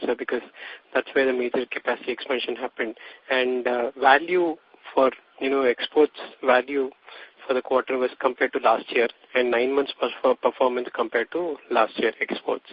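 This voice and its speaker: A man's voice: mid-range voice, breathy edge. A man with an Indian accent, an analyst politely putting questions on an earnings call. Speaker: financial analyst asking questions. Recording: echoey, dull lo-fi phone call.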